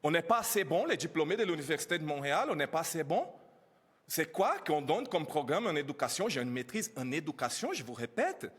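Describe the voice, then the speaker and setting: A man's voice: a little high, big pitch swings, brisk, a bit bright, breathy edge. A man whose first language is not French, giving emotional, pleading testimony at a press conference, asking many rhetorical questions. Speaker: immigrant speaking at a press conference. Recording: reverberant hall.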